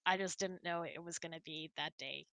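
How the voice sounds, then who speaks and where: Woman host doing a chatty informal q&a, bright voice, really dry close sound. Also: low voice, steady tone, brisk, vocal fry, no echo. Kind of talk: casual chat answering listener questions.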